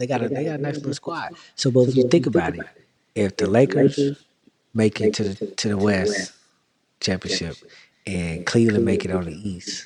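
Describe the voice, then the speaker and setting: A man with a Southern US accent speaks with lively intonation. He keeps a moderate pace, broken by long, frequent pauses. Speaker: podcast co-host. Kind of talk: casual chat. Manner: sometimes loud, voice rises; slurred words.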